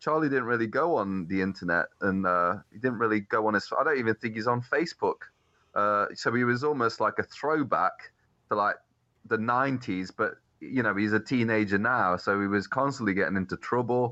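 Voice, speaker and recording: Over a quiet background, a man with a British accent and a bright, sharp tone speaks at a medium pitch and a fairly quick pace with ordinary pitch variation. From UK. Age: 30s. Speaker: film director. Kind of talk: interview.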